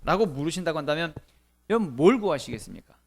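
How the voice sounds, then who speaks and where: A male pastor preaching a sermon, reading scripture and building to loud, impassioned questions to the congregation. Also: a little high, big pitch swings, quick pace, vocal fry. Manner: rising to loud impassioned appeals, quoting scripture.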